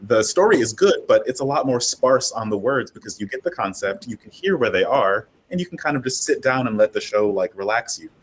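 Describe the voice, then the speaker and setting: A man's voice: medium pitch, expressive, brisk, hardly any pauses, slight background noise. A man speaking casually as a panelist, in a conversational way sprinkled with "like". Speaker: panelist, audio drama maker.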